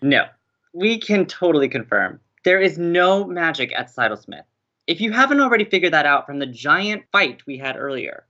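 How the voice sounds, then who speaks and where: A man's voice: a little high, very animated, normal speed, sharp tone, dull audio. A man playing an earnest, dramatic young college radio host in an audio drama, wry and theatrical. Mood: wry, assured.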